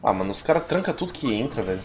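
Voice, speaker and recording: A man in his thirties from Brazil, streaming a horror game from a desk mic at home. He swears constantly, his voice going hoarse, and his pitch swings wildly as he yelps and screams in fright. Game music plays loudly underneath him. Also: sing-song, rapid-fire. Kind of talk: live gameplay commentary.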